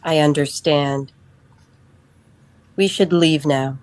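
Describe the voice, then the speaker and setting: An actress voicing a calm, literal-minded female android who served as a household steward, speaking in a measured, matter-of-fact way. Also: sits low, no echo. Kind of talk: radio drama acting.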